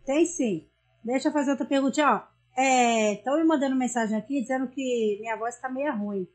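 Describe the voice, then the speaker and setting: A hoarse woman with a Brazilian Portuguese accent, a co-host casually reading out viewer questions. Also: sits high, brisk, a little mellow. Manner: casual, chatty.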